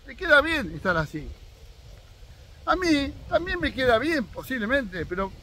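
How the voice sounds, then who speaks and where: An Argentine man in his sixties talks outdoors on his own land, sharing firm opinions directly with his viewers. His voice sits high and bright, and his pitch swings widely as he makes his points. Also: very animated, a little slow, slight background noise. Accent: Argentine Spanish. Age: 60s. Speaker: fishing vlogger. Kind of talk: casual opinion monologue.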